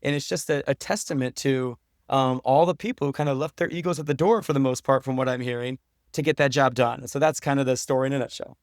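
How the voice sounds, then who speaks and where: A man's voice: medium pitch, steady tone, fast talker, no room sound, clean studio sound. An American man talking as an interview guest, telling stories conversationally in an earnest, explanatory way with emphatic repetition. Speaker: podcast guest, documentary director.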